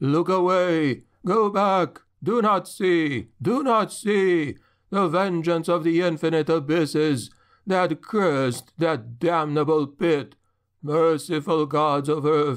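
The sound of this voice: A put-on character voice at a fairly slow pace, over a quiet background. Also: man.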